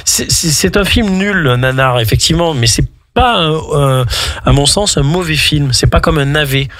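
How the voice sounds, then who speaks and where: A man co-hosting a radio film show, chatting casually and haltingly, often repeating words. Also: a little high, expressive, a bit bright, no room sound, studio quality.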